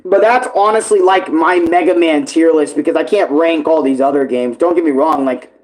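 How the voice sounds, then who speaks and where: A young man chatting casually on a livestream, rambling and swearing with enthusiasm, his voice hoarse and worn. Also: fairly high pitch, normal speed, darkish tone, poor audio. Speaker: streamer ranking games. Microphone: tablet camera.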